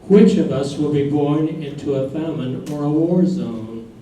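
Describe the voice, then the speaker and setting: A man's voice: on the high side, measured pace, mellow, natural voice. A man reading the part of a philosophizing chorus member in a staged play reading. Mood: solemn questioning. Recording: distant, very echoey hall, faint noise.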